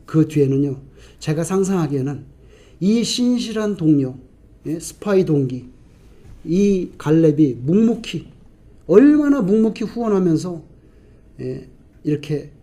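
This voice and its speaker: A male pastor delivers a sermon in a high, mellow voice. He keeps asking the congregation questions and answering them himself. His delivery swings from loud emphasis to hushed asides.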